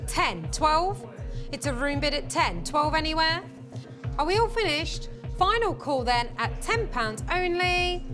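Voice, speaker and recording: A woman works as an auctioneer, her high voice calling out bids in short repeated phrases. Music plays clearly behind her live auction calling. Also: big pitch swings, measured pace.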